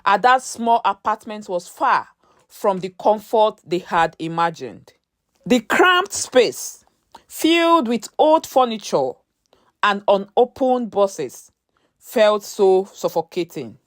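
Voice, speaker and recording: A woman narrating a scripted story in a measured, dramatic storytelling manner. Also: mid-range voice, very animated, no room sound, clean studio sound.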